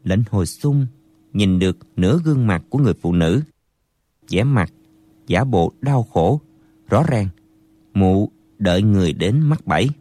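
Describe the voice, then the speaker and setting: A man reading a martial arts novel aloud, with a slightly low voice that rises and falls animatedly. He tells the story expressively. The recording is dry and close. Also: expressive, unhurried, pauses often, warm tone, dry recording. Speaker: narrator.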